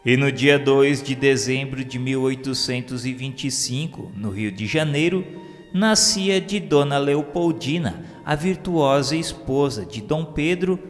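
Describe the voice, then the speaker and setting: Slow, solemn man narrating. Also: medium pitch. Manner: slow, solemn, measured reading. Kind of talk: scripted spiritist audiobook narration. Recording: long reverb with faint music bed.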